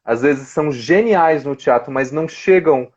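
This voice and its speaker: A man's voice: a little high, moderate pace, darkish tone. Encouraging male host, lo-fi stream. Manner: encouraging, with frequent short affirmations. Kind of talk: casual interview on a live stream. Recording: dull lo-fi live stream audio.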